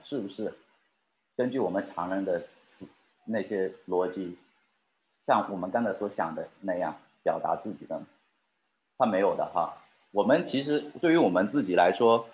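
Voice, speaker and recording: A man preaching a sermon and talking straight to his congregation, asking them questions and drawing them in. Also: sits low. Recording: roomy, dull lo-fi recording.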